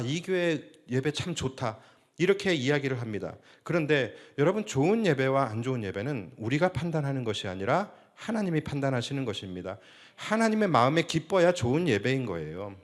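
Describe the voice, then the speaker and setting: A middle-aged male pastor delivers a Sunday sermon. His pitch is lively and moves a lot as he speaks. He keeps turning to the congregation with rhetorical questions. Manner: preaching with rhetorical questions, acting out quoted speech. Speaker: senior pastor.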